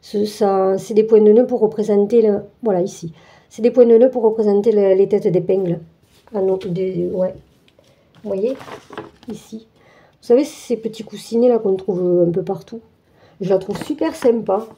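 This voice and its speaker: A woman talks her viewers through an unboxing in a loose, chatty way, full of hesitations and restarts. Her voice is very dark and mellow at a middling pitch. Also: moderate pace, a little hiss or hum. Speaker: craft channel host. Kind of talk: casual unboxing walkthrough.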